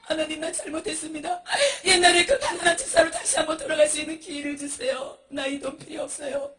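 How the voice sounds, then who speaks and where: A woman's voice: sits high, fast talker, a bit bright, far from the mic, voice pushed up. A woman voicing a damned soul who tearfully pleads with God for one more chance, in a raised, crying voice. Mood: tearful pleading.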